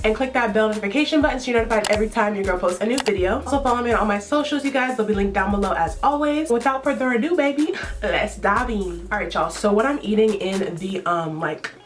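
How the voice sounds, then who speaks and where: A young woman chatting casually on camera at home, talking loose and slangy while eating, recorded on a tripod camera. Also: a little high. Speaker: vlogger. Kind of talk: casual mukbang chat.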